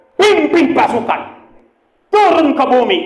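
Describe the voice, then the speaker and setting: A man's shrill voice leaps through very wide pitch swings. Room echo can be heard around him. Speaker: pastor. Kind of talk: sermon.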